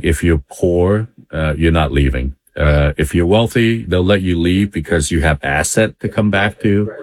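A man's voice: low voice, no echo. A man from Vietnam telling his life story in a casual interview, talking in a loose, conversational way with many fillers. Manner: conversational, many fillers, chuckles now and then. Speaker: interview guest, business owner.

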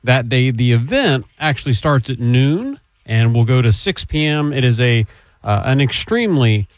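A man's voice: medium pitch, big pitch swings, normal speed, dry recording. A man hosting a radio call-in show, easygoing and teasing with his cohosts. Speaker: radio show host, attorney. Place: radio studio.

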